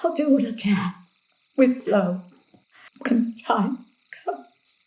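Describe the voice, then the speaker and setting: A woman's voice: fairly high pitch, lively intonation, slow, dark tone. A woman playing an elderly, forgetful grandmother, caring and anxious, in hesitant dramatic dialogue. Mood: gentle, worried. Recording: roomy, distant from the mic.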